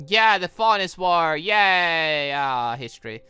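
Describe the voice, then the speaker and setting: Man, gaming host, high-pitched, lively swoops, excitable rambling commentary, music behind. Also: slow, clean tone, no echo. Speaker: gaming video host reading a visual novel aloud. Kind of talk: casual playthrough commentary with dialogue read aloud.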